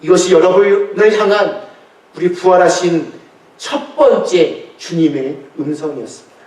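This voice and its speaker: High-voiced man preaching in an echoey church. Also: darkish tone, distant mic. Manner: earnest, emphatic, drawn-out phrasing. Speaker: pastor. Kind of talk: sermon. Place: church sanctuary.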